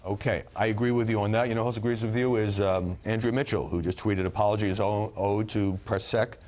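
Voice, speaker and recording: American guy hosting cable news, kinda low voice, really fast, opinionated and interjecting. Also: steady tone, darkish tone. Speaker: news show host.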